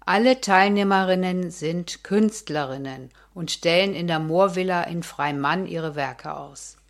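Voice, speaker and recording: A woman's voice: lowish voice, measured pace. A woman radio host reading a scripted introduction of her guests fluently.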